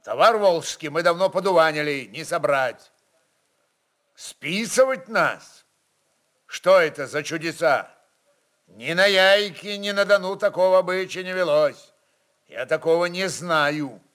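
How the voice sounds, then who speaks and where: A man's voice: a little high, unhurried, pauses often, a bit bright. A man voicing a defiant, fierce Cossack chieftain in a dramatized reading, with blunt, challenging, folksy speech. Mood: restrained anger.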